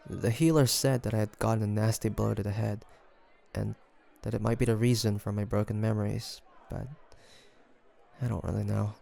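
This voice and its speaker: A man playing a guarded young demon hunter in an intimate audio roleplay, hesitant and confiding, with a softer side showing through. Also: on the low side, level tone, normal speed, creaky, a faint crowd. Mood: wistful, confiding.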